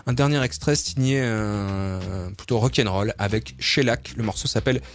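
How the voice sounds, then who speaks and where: A man's voice: on the low side, normal speed, no echo. Chatty, hesitant male radio host. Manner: loose, hesitant, many fillers, jokey. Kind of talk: casual radio chat and listings. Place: radio studio.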